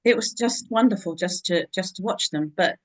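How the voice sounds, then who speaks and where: A woman's voice: lowish voice, normal speed, poor audio. A woman chatting casually as a guest speaker. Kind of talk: casual chat.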